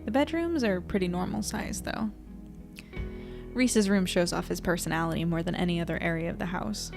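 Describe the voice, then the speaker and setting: Gravelly-edged, reflective young traveler. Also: female voice, on the low side, moderate pace, over music. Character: curious, considerate young woman narrating her travels. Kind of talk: first-person audio drama narration and dialogue.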